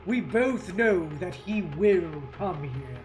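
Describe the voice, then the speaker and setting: A woman takes on a resolute male military commander in a dramatic novel reading. The delivery is solemn and declamatory, with slow pacing and wide swings in pitch. Faint music sits behind the voice. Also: expressive, a little mellow. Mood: determined, stern. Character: Dorn, grave resolute male warrior commander. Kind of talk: dramatic novel read-aloud.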